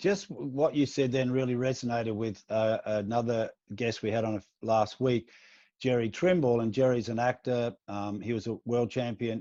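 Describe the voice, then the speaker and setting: A man's voice: medium pitch, dark tone, no room sound. A man co-hosting an interview, retelling stories in a rambling way with frequent restarts. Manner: rambling storyteller with many restarts. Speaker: podcast co-host. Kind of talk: casual interview talk. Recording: dull lo-fi dry sound.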